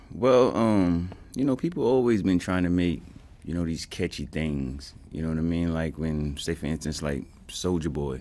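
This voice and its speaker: A man in an American accent, very deep and low in pitch, dark and mellow in tone, with lively intonation at a moderate pace. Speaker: hip hop artist. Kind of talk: interview answer. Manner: casual, relaxed.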